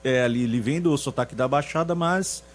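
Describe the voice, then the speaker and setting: A singer of around 50 from São Luís, Maranhão, Brazil, is being interviewed on the radio. He is reflective and hesitant, restarting his sentences often. His voice is medium in pitch and a little fast.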